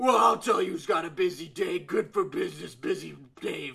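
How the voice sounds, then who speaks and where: A man speaks in a raspy, put-on character voice. His pace is moderate. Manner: chipper, salesy.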